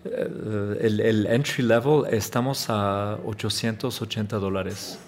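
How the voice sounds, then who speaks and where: Slow, hesitant American man speaking Spanish. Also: lowish voice, fairly even intonation, a little hiss or hum. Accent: American English. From Chicago, USA. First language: English. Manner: hesitant Spanish full of fillers, switches to English words. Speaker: watch company founder, guest. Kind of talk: interview answers.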